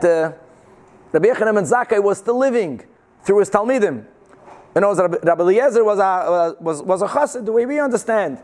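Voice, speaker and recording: A man giving an informal religious lecture as a teacher, emphatic and explanatory, mixing in Hebrew and Yiddish terms. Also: high-pitched. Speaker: Talmud teacher.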